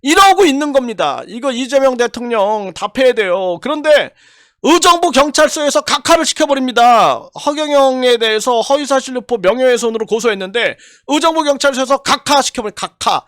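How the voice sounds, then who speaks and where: A man's voice: very high-pitched, lively intonation, a little fast, fairly bright tone, no echo, studio quality. An older man giving impassioned political commentary, indignant and full of rhetorical questions and repeated phrases. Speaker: YouTube commentator.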